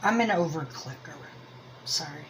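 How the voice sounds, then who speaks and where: A woman's voice: low voice, animated, normal speed, a little hiss or hum. A woman from Pennsylvania with a Pennsylvania Dutch accent chats casually as the host of a homemade review, rambling and thinking aloud in a self-deprecating way. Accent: Pennsylvania Dutch American. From Lancaster County, Pennsylvania, US. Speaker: host of a crochet and yarn channel. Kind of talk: casual chatty product review.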